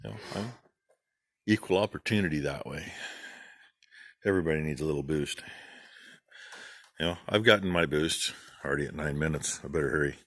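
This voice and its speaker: A middle-aged man, a farmer vlogging, giving rambling, plain-spoken shout-outs in a casual way. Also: a bass voice, brisk, pauses often, no echo, studio quality. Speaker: farm channel vlogger.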